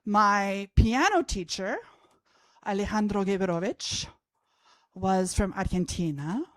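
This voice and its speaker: Speaking slowly at medium pitch, a language professor from Austria in her fifties shares a humorous tale about herself before a college audience. She is wry and pokes fun at herself, and the recording is dry.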